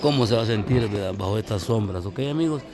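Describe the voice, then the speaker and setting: A man from El Salvador with a Salvadoran accent, vlogging casually outdoors on a misty mountain and talking warmly to his viewers as friends. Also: lowish voice, fast talker, crowd noise. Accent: Salvadoran Spanish. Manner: chatty, addresses viewers as little friends. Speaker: travel vlogger. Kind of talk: casual vlog narration.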